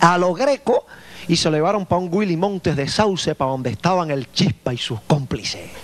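A high male voice at a moderate pace with lively intonation. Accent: Cuban. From Cuba. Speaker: comedian. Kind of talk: stand-up comedy monologue. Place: shop. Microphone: handheld.

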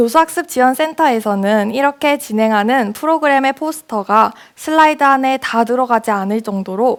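The woman uses a plain, everyday voice, keeping a moderate tempo and ordinary pitch variation. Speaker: university student. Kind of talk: prepared presentation. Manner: formal.

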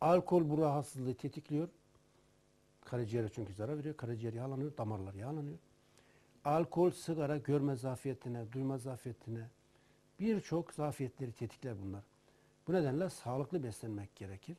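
The voice has a dark, mellow tone and is somewhat breathy. It moves at a moderate pace with lively intonation. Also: man. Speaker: guest. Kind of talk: interview answer. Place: studio. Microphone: lapel.

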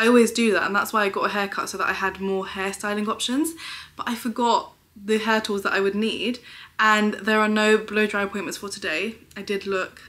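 This woman's voice has a bright, sharp tone and fairly even intonation. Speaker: fashion vlogger. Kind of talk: casual vlog chat. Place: home room. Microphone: phone near.

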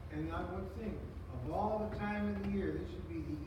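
Strong room echo surrounds a man's voice. Noticeable background noise is also present. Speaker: pastor or church leader. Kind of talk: scripture reading and sermon, then prayer. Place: church.

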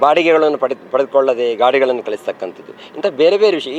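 A man speaks with ordinary pitch variation. The sound is dry and close with no echo, though there is noticeable background noise. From Tulu Nadu, coastal Karnataka. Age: 30s. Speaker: head of a traditional shrine family. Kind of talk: interview.

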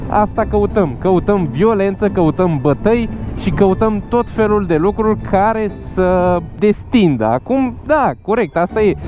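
Over clear background music, a man speaks at a fairly slow pace with a dry sound and no echo. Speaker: motovlogger. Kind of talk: casual vlog chat. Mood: reflective, advising. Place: motorbike. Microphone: helmet.

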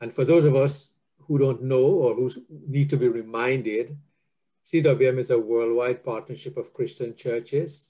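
A man with a dark, mellow tone speaks at a fairly slow pace in a somewhat breathy voice with fairly even intonation over a quiet background. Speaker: church mission officer. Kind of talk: formal welcome introduction. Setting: video call. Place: home room. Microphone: video call.

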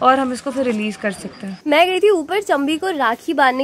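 Her voice is high-pitched for a woman. The sound is dry, with no echo. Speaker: animal sanctuary presenter; presenter. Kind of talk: vlog update. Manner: loud. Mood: cheerful, affectionate. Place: farm. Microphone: phone near.

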